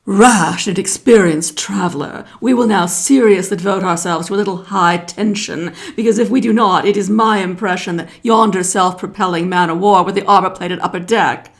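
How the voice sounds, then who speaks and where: A woman's voice: mid-range voice, moderate pace, hardly any pauses, close to an everyday voice. A woman voicing a pompous, long-winded, bossy python rock snake in a children's story, with an emphatic, ornate way of talking. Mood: pompous, urgent.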